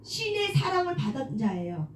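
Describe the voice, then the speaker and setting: A woman leads a sermon in a high voice. She keeps asking the listeners questions and answers them herself, often calling for an amen. She sounds a little distant from the mic, in an echoey room. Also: very animated, normal speed, a little hiss or hum. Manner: asks the audience questions and answers them, calls for amens. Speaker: prayer meeting leader. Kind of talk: sermon on self-forgiveness.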